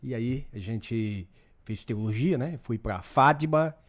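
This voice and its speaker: A pastor from Rio Grande do Norte with a Northeastern Brazilian accent, calm and brief as a radio studio guest. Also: male voice, mid-range voice, takes it slowly. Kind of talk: casual radio interview.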